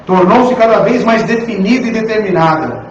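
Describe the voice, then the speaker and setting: A Brazilian pastor with a high voice preaches a sermon, dropping to a hush and then rising to loud appeals. He stands well back from the mic in a very echoey church hall. Traffic rumbles clearly behind him. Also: expressive, moderate pace, far from the mic, dull audio. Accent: Brazilian Portuguese. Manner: preaching that swings from hushed to loud.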